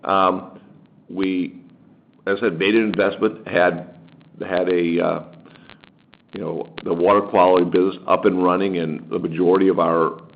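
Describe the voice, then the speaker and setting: A man speaking as a company executive on an earnings call, answering in a halting, rambling way with frequent restarts. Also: deep voice, flat delivery, creaky. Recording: muffled, lo-fi conference call with faint noise.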